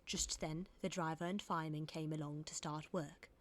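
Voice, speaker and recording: A woman performing as a storybook narrator, telling a children's railway tale in a measured way. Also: sits low, steady tone, natural voice. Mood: calm, warm. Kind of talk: scripted storybook narration in switched accents.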